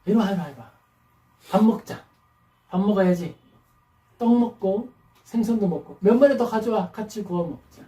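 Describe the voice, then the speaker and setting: A woman pastor voicing Jesus as a gentle man coaxing his disciples to come and eat, speaking softly and tenderly. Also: mid-range voice, animated, moderate pace, long pauses, lightly acted. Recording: roomy hall, mic at a distance.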